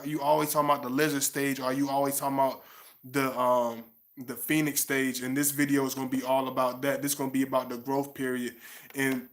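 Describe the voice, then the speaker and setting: This channel host has a mid-range, fairly bright voice. He rambles through a casual monologue to viewers, restarting often and dropping "you know what I'm saying".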